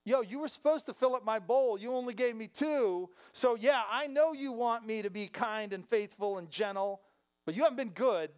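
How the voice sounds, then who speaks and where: A preacher voicing a resentful man who grumbles that others owe him more, talking loudly and with a sense of grievance. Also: extremely high pitch, moderate pace, smooth, pitched above the performer's own voice. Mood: aggrieved. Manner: aggrieved, loud complaining.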